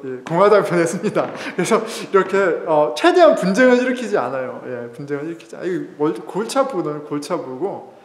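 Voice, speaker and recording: A male pastor giving a sermon in a church, telling stories in a conversational way with fillers and chuckles. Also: fairly high pitch. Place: church sanctuary. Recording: echoey hall reverb.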